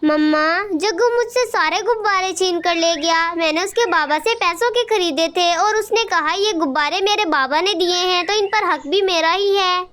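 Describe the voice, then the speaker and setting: A woman's voice: very high voice, normal speed, hardly any pauses, a bit bright. A woman voicing a clever, talkative little boy bird in a cartoon, eager and pleading.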